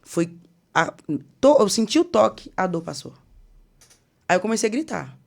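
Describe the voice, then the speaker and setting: A young woman telling a personal testimony on a podcast, animated, acting out the people she quotes. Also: medium pitch, normal speed, creaky. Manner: animated, acts out quoted dialogue. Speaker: guest singer. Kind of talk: podcast testimony, casual storytelling.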